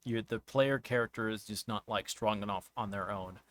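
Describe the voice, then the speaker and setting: A man giving casual, rambling commentary as a game streamer, halting and searching for words, often trailing off mid-thought. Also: on the low side, fairly bright tone. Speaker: streamer reviewing a visual novel game.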